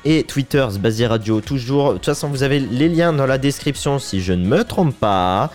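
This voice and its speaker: A man's voice: medium pitch, moderate pace. A man co-hosting a casual live web radio show in French, chatty and laughing often as he runs a music quiz. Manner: laughing, chatty, lively intonation.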